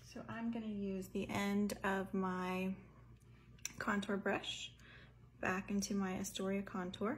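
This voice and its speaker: A woman speaks at a fairly slow pace with long, frequent pauses, her medium-pitched voice somewhat breathy and her intonation flat and monotone. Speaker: makeup tutorial creator. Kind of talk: tutorial. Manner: casual, chatty.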